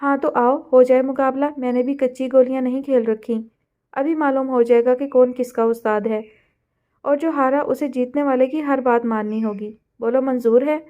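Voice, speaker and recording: A woman voicing a feisty, quarrelsome teenage girl in a storybook reading, with bickering, quick retorts. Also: high voice, steady tone, narrow, tinny audio, natural voice.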